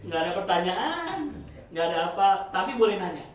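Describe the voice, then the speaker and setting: A man gives an informal sermon to a study circle, joking and chatty, his volume rising and falling. His voice sits a little high. He is recorded from a distance in a very echoey prayer room with faint noise behind. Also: a little fast, muffled recording. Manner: chatty and joking, with lively swings between loud and soft. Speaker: ustadz teaching a religious study circle.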